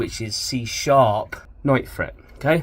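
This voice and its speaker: The man's intonation is lively. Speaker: guitar teacher. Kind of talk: tutorial. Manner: loud.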